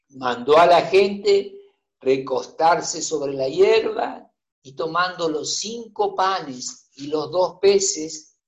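A man's voice: high-pitched, rough recording. A man preacher reading scripture aloud and commenting on it, with joking asides and hesitant fillers. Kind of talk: Bible reading with sermon commentary.

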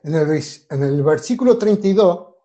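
A male preacher delivers a sermon in a mellow, somewhat high voice that swings widely in pitch. He reads scripture aloud, calls out verse numbers to the congregation, and stresses points with emphatic exclamations. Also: expressive, moderate pace, highs cut off. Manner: emphatic, exclaiming, asks listeners to read verses. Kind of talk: sermon with Bible reading.

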